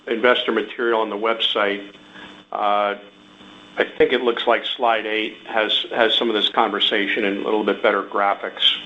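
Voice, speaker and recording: Bright-voiced executive man on a dull call. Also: mid-range voice. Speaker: company executive. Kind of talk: earnings call answers to investors. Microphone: conference call line. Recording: dull conference call audio with hum.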